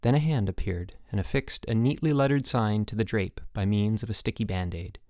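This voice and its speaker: A man's voice: fairly low pitch, brisk, dark tone, no room sound, clean studio sound. A man narrating fiction as a scripted audiobook reading.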